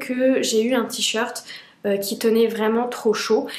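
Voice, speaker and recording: A woman speaks at a very slow pace with a high pitch. Background noise is noticeable. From France. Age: 20s. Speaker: knitting vlogger. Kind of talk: casual vlog chat. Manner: hesitant, many filler euh.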